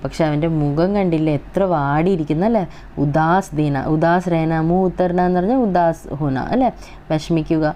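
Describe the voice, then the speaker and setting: A woman's voice: deep voice, dark tone, a little hiss or hum. Malayali woman teacher explaining Hindi. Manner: reads Hindi lines slowly, then explains each one.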